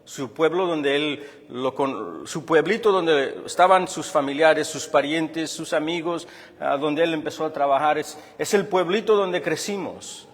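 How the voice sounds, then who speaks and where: Earnest preacher in a reverberant hall. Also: male voice, on the high side, measured pace. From Chicago. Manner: earnest and explanatory, with frequent restarts and fillers. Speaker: pastor. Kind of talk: sermon.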